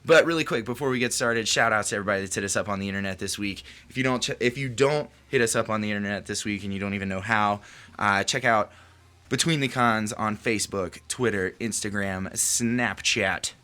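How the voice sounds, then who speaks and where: A man's voice: fairly low pitch, fairly quick, pushed and bright. A man hosting a podcast in a loose, casual chat, with fillers and restarts. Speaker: podcast host.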